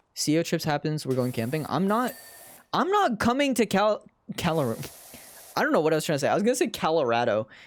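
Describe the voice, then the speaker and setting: A man with an American accent speaks in an animated, high voice at a very fast pace, with very wide pitch swings and very even loudness. Long pauses come often, and the recording is very clean with a silent background. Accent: slight New Jersey accent, stronger when angry. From New Jersey. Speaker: variety streamer. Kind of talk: casual gaming livestream chat.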